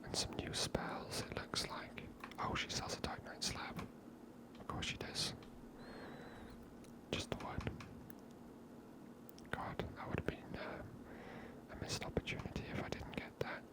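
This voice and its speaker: A host giving casual, hushed and unhurried ASMR commentary on a game in a whisper. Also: poor audio.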